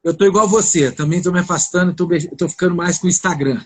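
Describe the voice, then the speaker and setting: Male host, high voice, husky, friendly measured talk, live interview. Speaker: host, mediator.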